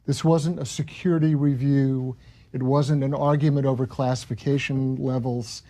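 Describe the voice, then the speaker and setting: A man giving a serious, formal statement as a special agent, stern, articulate and deliberate. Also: medium pitch, little pitch movement, warm tone. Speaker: former Army counterintelligence special agent.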